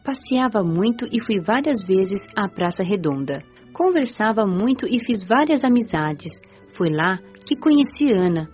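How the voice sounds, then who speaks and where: A woman's voice: medium pitch, very animated, measured pace, darkish tone. A woman with a Brazilian accent reading scripted first-person narration for an audiobook. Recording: muffled lo-fi audio with music.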